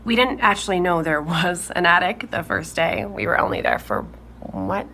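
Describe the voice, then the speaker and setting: An actress playing a grown daughter in an audio drama, giving a measured, detailed account as if in a podcast interview. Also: female voice, fairly low pitch, sing-song, creaky, sharp tone, slight background noise, heavily acted. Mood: matter-of-fact. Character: matter-of-fact grown daughter recalling a relative's eerie house.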